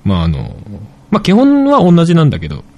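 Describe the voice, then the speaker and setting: A man's voice: a little high, wildly swooping pitch, fast, vocal fry. A man hosting a casual chat, rambling with many fillers and laughs. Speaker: podcast host reviewing apps. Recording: loud music playing behind.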